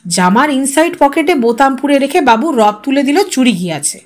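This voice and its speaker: A woman's voice: high-pitched, sing-song, moderate pace. A woman voicing a blustering, self-satisfied working husband who talks colloquially in an audiobook story. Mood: excited, boastful. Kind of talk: audiobook character dialogue.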